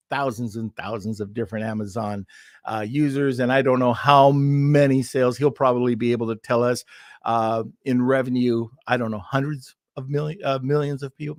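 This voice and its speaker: Rambling, excitable male podcast host. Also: mid-range voice, no echo, studio quality. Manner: excitable, rambling, laughs at himself. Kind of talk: casual live-stream chat.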